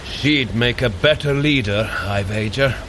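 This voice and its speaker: An actor playing a hearty, boastful Norse god warrior in an audio drama, booming and declaiming in heroic, archaic phrases. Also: male voice, measured pace, fairly bright tone, slight background noise, close to an everyday voice. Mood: amused, hearty.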